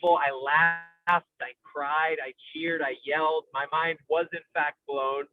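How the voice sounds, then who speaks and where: A man in an analytical, conversational film discussion, speaking in an intellectual, halting way with academic vocabulary as he searches for words. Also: fairly high pitch, steady tone, faint music behind. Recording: tinny phone-like radio-style sound.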